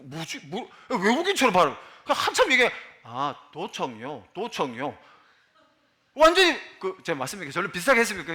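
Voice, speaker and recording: A man's voice: sits high, bright, forceful tone. A man in his forties from Busan, a pastor preaching a sermon in a chatty way and asking the congregation questions. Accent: Busan Gyeongsang dialect. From Busan, South Korea. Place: church sanctuary.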